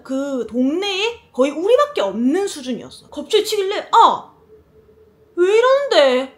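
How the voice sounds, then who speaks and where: A young woman telling a story in a casual vlog while doing her makeup, lively and acting out quoted lines. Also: high voice. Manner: animated, acts out quoted lines. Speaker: beauty vlogger.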